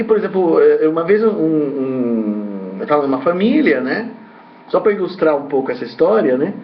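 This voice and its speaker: A man's voice: on the high side, a little hiss or hum. A man, a ufologist host, giving a rambling, hesitant commentary full of repeats and tag questions. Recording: dull lo-fi recording.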